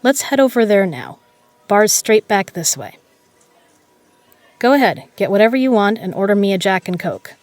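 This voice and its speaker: A woman's voice: medium pitch, very animated, normal speed, pauses often, darkish tone, no room sound, natural voice. A woman plays a shrewd bar-owning card shark in an audio roleplay. She is a proud, brash woman with a sardonic edge and a mid-range voice. The sound is dry and close. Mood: confident, breezy. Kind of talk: dramatic audio roleplay acting.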